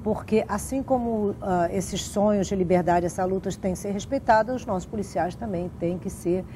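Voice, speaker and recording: A woman's voice: mid-range voice, dark tone, slight background noise. A woman hosting a conversational interview, often breaking off and rephrasing as she goes. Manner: halting, self-interrupting. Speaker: programme host.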